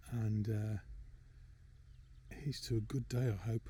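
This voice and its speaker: A man is speaking here. His pace is fairly slow. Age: 60s. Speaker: amateur wildlife photographer and vlogger. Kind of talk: travel vlog to camera. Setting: outdoors by the roadside. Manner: hesitant, many fillers.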